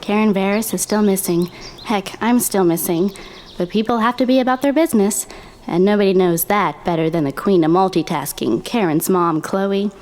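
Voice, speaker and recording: A woman's voice: mid-range voice, moderate pace, darkish tone, close to an everyday voice. A woman playing a young small-town woman who narrates an audio drama in a wry, chatty way. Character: missing young local woman narrating wryly.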